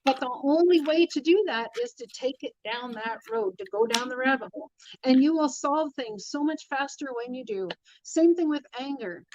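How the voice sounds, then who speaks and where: A woman's voice: sits high, expressive, normal speed, a little mellow, a little hiss or hum. A middle-aged woman teaching tarot, talking earnestly in a casual spiritual chat, repeating her points for emphasis. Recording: dull lo-fi sound.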